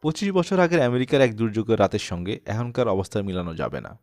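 A man's voice: fairly low pitch, expressive, quick pace, a little mellow, dry recording. Man narrating an audiobook in a dry, close recording. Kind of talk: scripted literary narration, reading a humorous personal essay.

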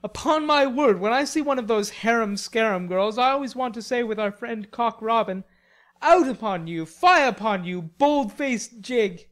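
A woman reading a storybook, voicing a charming young gentleman with airy, mock-superior banter. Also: fairly high pitch, expressive, moderate pace, natural voice.

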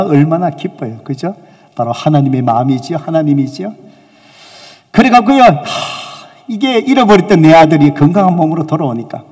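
A male pastor preaching a sermon, telling a story with lively swings between loud emphasis and soft, near-whispered asides. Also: fairly high pitch. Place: church sanctuary. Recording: echoey church hall.

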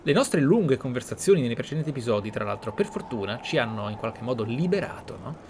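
A man's voice: mid-range voice, animated, fast. Casting: male gameplay host, mid-range voice, thoughtful explainer, some game ambience underneath. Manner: reflective, explanatory. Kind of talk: role-play game commentary. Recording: clear background game ambience noise.

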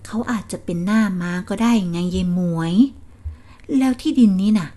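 A woman's voice: mid-range voice, moderate pace, warm tone, natural voice. A woman voicing a worried old husband who pleads with his wife not to be fooled. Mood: pleading. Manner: pleading, anxious, reproachful.

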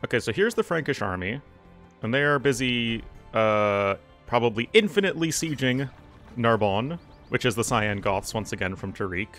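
A man hosting a strategy game video, reading mission text aloud in a relaxed, chatty way. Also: mid-range voice, moderate pace, faint music behind. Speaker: gaming channel host. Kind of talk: let's play commentary.

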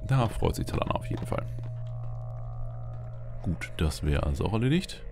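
Very deep, creaky-voiced man. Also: sing-song, moderate pace. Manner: musing, thinking aloud. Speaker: let's player. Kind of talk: casual roleplay gameplay commentary. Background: game music.

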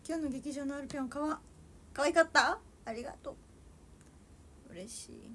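A woman's voice: sits high, moderate pace, darkish tone, a little hiss or hum. A young woman from Toyama with a Toyama accent, chatting casually with viewers on a livestream and giggling often. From Toyama, Japan. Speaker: idol livestreamer. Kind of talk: casual livestream chat reading comments.

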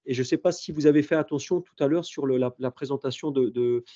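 A man's voice: medium pitch, quick pace, warm tone. Effusive man in his fifties, muffled call. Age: 50s. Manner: effusive, stammering restarts. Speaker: university professor presenting his project. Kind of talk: online presentation. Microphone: video call.

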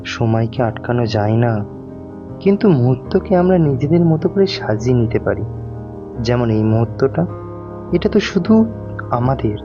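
A man's voice: mid-range voice, animated, moderate pace, pauses often, lightly acted. A man playing a devoted young man in love in an audio romance drama, speaking earnestly and romantically. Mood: tender. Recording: dull lo-fi audio under guitar music. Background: plucked guitar music.

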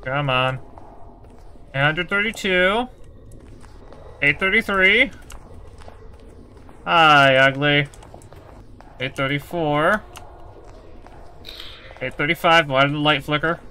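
A man with a fairly high, very bright and forceful voice streams a horror game. He chats casually but uneasily, swearing and muttering taunts at whatever creature is stalking him. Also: slow, long pauses, slight background noise.

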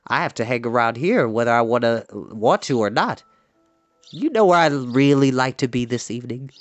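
Brief: innocent young boy pig in a storybook played by a narrator, eager and anxious, very lively intonation. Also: medium pitch, normal speed, no echo, faint music behind, close to an everyday voice. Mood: wistful. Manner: pleading, childlike, earnest.

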